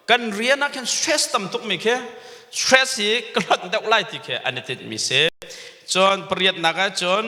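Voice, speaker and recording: A man's voice: high voice, pushed and bright, long reverb tail. A male pastor preaching a sermon, mixing English words into his speech. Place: church sanctuary.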